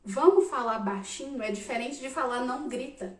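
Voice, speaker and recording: A woman in her thirties, a psychologist giving animated casual advice to parents, often checking in with "tá?". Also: high-pitched, normal speed. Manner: animated, addresses listeners directly with frequent "tá?". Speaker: psychologist answering parents' questions. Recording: roomy echo, mic at a distance.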